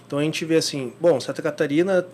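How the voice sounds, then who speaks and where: A male host who builds up to his questions slowly and informally, with plenty of fillers along the way. His voice is a bit high for a man. A faint hum runs under the recording. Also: a little mellow. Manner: informal and rambling, with long lead-ins before his questions. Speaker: podcast host, interviewer. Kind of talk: casual interview questions.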